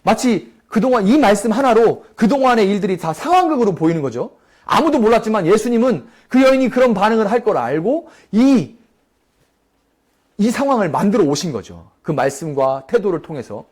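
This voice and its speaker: A man's voice: sits high, big pitch swings, a little fast, a little mellow. A male pastor giving a Sunday sermon, telling the story with animation and asking his congregation questions.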